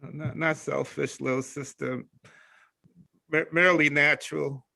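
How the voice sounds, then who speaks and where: A man's voice: on the high side, flat delivery, unhurried, creaky, bright, forceful tone, no echo, heavily acted. Man acting a grave, embittered older brother. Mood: tender. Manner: grave, brooding. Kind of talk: stage play reading. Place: video call play reading.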